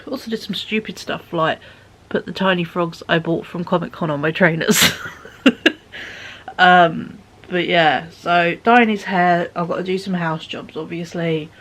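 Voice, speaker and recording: A woman vlogging from home into a phone at arm's length, chatting in a rambling way with lots of fillers and dips into whispers, her voice sounding tired. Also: on the low side. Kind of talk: chatty vlog monologue.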